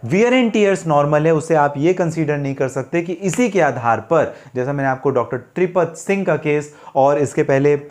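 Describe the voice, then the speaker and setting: Male Indian legal explainer, voice a bit on the high side, instructive host style with rhetorical questions and English legal terms. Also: moderate pace, few pauses, darkish tone. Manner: didactic, poses rhetorical questions then answers them. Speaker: legal advice channel host explaining law. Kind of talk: explanatory talk to viewers.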